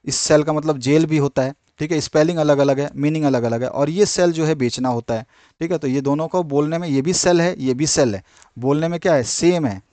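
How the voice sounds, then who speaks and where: Man, exam-prep teacher, slightly high voice, dry close sound, slow English definitions, frequent filler phrases. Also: mellow, no room sound. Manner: explains in Hindi, slowly reading out English definitions; repeats filler phrases like "thik hai" and "jo hai".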